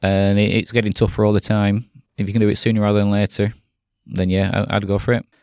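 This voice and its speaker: Very fast and in a northern English accent, a man talks with a fairly low pitch. His delivery is flat and monotone at a very even loudness. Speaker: web designer and emigrant. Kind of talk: casual interview. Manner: halting, with frequent repetitions.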